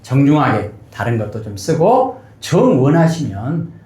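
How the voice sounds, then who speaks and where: A man's voice: medium pitch, sing-song, a little slow, warm tone. A middle-aged man preaching as a pastor, telling a story candidly and breaking into emphatic outbursts. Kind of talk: sermon. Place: church sanctuary. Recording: echoey church hall.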